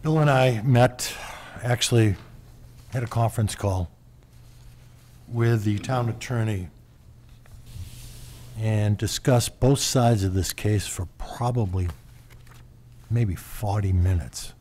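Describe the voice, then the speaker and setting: This is a man reporting to a public meeting as a board member. His voice is on the low side and very mellow, and he explains things in a formal, procedural way. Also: slow, long pauses. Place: small public meeting room.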